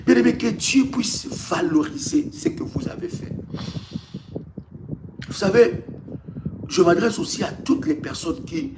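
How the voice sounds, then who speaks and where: A man's voice: extremely high pitch, sing-song, unhurried, pauses often, background noise. A man preaching a live sermon, repeating his phrases with emphasis to the congregation.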